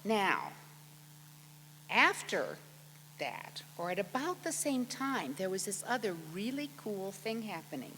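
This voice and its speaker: A woman's voice: medium pitch, sing-song, takes it slowly, bright, forceful tone. A woman with an American accent giving a prepared introduction as host of an event, speaking to an audience. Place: large auditorium with long reverb. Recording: reverberant hall, clear background hum.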